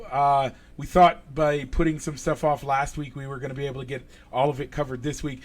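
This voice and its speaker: A man hosting a casual sports podcast, upbeat and energetic, his voice a little raspy from allergies. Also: a little high. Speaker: podcast host.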